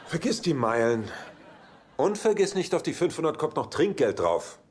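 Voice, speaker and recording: A man's voice: a little high, big pitch swings, moderate pace, darkish tone. An actor playing a middle-aged, cynical, laid-back womanizing bachelor in a German-dubbed sitcom, dry and wisecracking. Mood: wry, casual. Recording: very noisy TV soundtrack with clicks.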